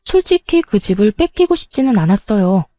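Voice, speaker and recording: A woman narrates her story in a scripted first-person reading. She is sharp and confrontational, with a warm, dark tone, a dry close sound and faint music underneath. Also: medium pitch, sing-song, fairly quick, no echo.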